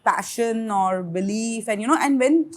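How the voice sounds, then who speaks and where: A woman's voice: a little high, expressive, a little slow. A woman filmmaker with an Indian English accent telling a story in a casual roundtable chat, laughing and slipping into Hindi. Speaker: independent filmmaker.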